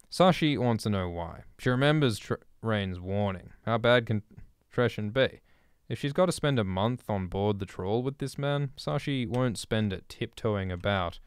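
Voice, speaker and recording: A man's voice: on the low side, clear, resonant tone, dry recording. A man drafting a story live on stream, thinking aloud in a musing, hesitant way and correcting himself as he writes. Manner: musing, hesitant, frequent ums and self-corrections.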